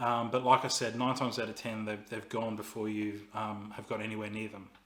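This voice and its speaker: A man speaks with an Australian accent at a fairly low pitch. His delivery is monotone and flat, at a fairly quick pace. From Australia, Gold Coast. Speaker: travel vlogger. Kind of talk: casual tutorial. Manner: many filler words (um, you know).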